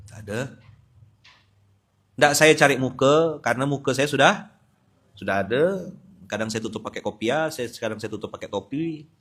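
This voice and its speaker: A man, preaching a lively, humorous sermon with sudden loud emphatic bursts. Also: mid-range voice, measured pace, pauses often, slightly rough. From West Kalimantan, Indonesia. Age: 40s. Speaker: Islamic preacher. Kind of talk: sermon at a dawn study gathering.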